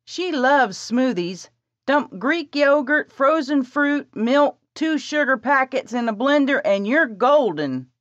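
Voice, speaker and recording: A high, loud, bubbly younger sister, as a woman narrator puts her on, bossing someone around in eager bursts. The voice is raised well above the narrator's own, and the recording sounds dry and a little dull. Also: no echo, exaggerated voice. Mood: chirpy. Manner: excitable, bossy, talks fast in bursts.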